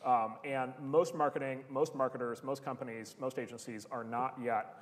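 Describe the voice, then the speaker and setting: A man's voice: mid-range voice, steady tone. A man answering in a played TV interview clip, talking emphatically and correcting himself as he goes. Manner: rapid, emphatic, self-correcting restarts. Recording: clip played through hall speakers, long reverb.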